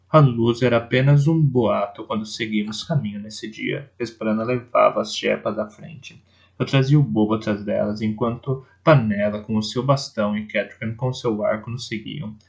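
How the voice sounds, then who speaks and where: A man's voice: fairly low pitch, steady tone, normal speed, vocal fry. A man reading an audiobook aloud, stumbling and correcting himself as he goes, recorded on a dull lo-fi setup. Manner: reads with restarts and self-corrections. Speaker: audiobook narrator.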